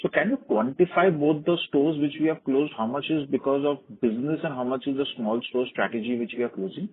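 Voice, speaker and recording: A man with an Indian accent and a husky voice, an analyst asking questions on an earnings call by phone. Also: medium pitch, fairly quick. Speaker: financial analyst. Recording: narrow tinny phone line.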